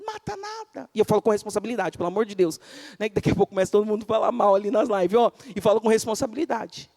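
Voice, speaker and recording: A woman pastor preaching a sermon, dramatic and animated, shouting at peaks and dropping to near whispers, acting out the figures she quotes. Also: mid-range voice, fast talker, big-room sound. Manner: acts out biblical figures in quoted voices, laughs with the congregation.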